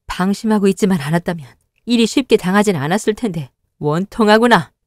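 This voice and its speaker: A woman's voice: mid-range voice, fairly quick, dry recording, studio quality, lightly acted. A woman voicing a proud, defiant woman in black with a stern, dignified manner.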